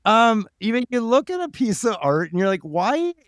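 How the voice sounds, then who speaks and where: High-voiced, animated male podcast host. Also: moderate pace, smooth, no echo, clean studio sound. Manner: informal, thinking aloud with "like". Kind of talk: casual conversational interviewing.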